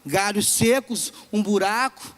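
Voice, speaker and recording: Preaching slowly in a high-pitched, slightly bright voice, this young Brazilian Portuguese-accented pastor addresses a youth service in a church hall. His sermon is full of stories and playful humor, and he performs the characters' voices.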